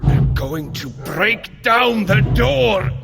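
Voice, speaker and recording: An actor playing an impatient, exasperated warrior god in audio drama, grumbling and blunt in a declamatory way. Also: male voice, high-pitched, animated, slow pace, gravelly, over loud music, full character voice. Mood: urgent. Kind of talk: dramatic audio fiction acting.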